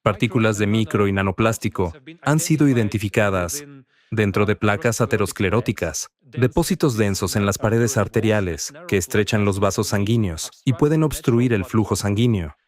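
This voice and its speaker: A man giving a formal scientific presentation at a conference, reading it aloud in a measured, even way. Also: on the low side. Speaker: conference speaker.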